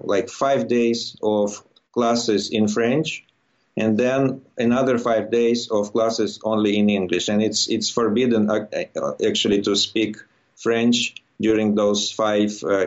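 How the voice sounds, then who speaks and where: Low-voiced Russian man, dull lo-fi recording. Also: steady tone. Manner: halting, searching for words. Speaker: interview guest, immigrant to Quebec. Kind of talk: conversational personal account in an interview.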